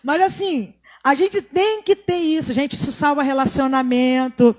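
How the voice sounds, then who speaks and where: High-voiced Brazilian woman preaching. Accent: Brazilian Portuguese. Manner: conversational preaching with asides and pauses. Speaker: pastor. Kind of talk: sermon.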